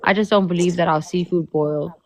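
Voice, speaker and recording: A woman's voice: fairly low pitch, fairly even intonation, brisk, crowd noise. A woman in her thirties from South Africa, hosting a casual livestream chat, laid-back and laughing as she tells stories. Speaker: livestream host.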